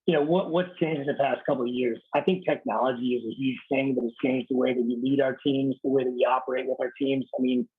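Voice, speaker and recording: A raspy-voiced man in his thirties, a military officer giving a blunt, casual leadership talk over a video call. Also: medium pitch, fairly even intonation, fast, few pauses, phone-quality sound. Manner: blunt, casual, swears lightly. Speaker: Marine Corps officer speaking to a unit.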